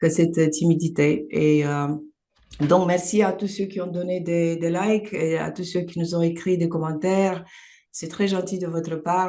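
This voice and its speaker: Speaking at a fairly slow pace with a slight non-native accent, a woman has a fairly low pitch and a dark, mellow tone. Her intonation is monotone and flat, and audible room echo surrounds her. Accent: slight foreign accent in French. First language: Romanian (speaking French). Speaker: religious talk show host. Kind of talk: interview conversation. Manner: hesitant, many fillers.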